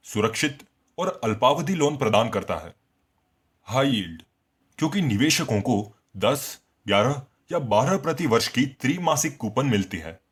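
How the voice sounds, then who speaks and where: Husky male explainer narrator. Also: medium pitch. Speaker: voice-over narrator. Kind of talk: scripted explainer narration for a corporate promo.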